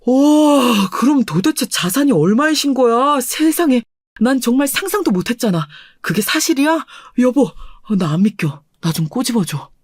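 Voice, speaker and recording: In a storybook radio drama, a performer plays a humble, sweet-natured young husband who speaks eagerly and earnestly. The middle-pitched voice is sing-song at a normal speed, recorded close and dry with no echo.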